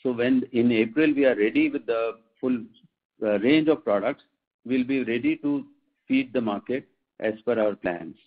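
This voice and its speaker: A man with an Indian accent, a company executive answering questions on an earnings conference call in a measured, formal, explanatory way. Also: medium pitch. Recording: muffled tinny phone line.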